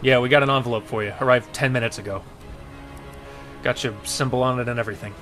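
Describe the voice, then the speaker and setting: Man acting, cop, gruff, informal, medium pitch, radio drama, faint music. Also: steady tone, quick pace, fairly bright tone, natural voice. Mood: concerned. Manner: informal, blunt. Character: gruff, loyal male police detective.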